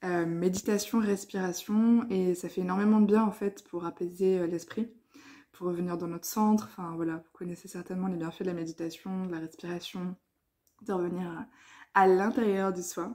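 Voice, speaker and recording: A woman with a medium pitch, fairly even intonation, a dark, mellow tone and a moderate pace. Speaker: life coach and vlogger. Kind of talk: casual vlog. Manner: hesitant, many fillers.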